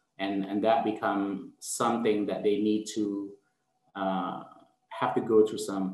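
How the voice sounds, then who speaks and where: A man with an Indonesian accent. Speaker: graduate student presenter. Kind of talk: workshop presentation. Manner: halting with many fillers.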